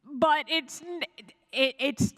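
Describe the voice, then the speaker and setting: A woman's voice: sits high, takes it slowly, a bit bright. A woman speaking as a convention panelist, chatty and enthusiastic, rambling casually and often correcting herself. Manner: chatty and rambling, with frequent self-corrections and chuckles. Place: live panel room at a fan convention.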